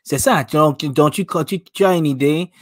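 A man's voice: on the high side, moderate pace. A man in his thirties hosting a casual video call interview, eagerly chiming in to finish his guest's points. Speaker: host. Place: small room indoors. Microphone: webcam on a video call.

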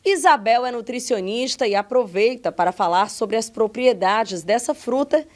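A young woman TV reporter, presenting a news feature in a bright, upbeat way. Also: fairly high pitch, animated, moderate pace.

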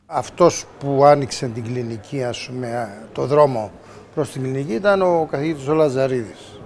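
Measured man recalling his mentor. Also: mid-range voice, a little mellow, a little hiss or hum. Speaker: interviewee, cardiac surgeon. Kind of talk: interview recollection.

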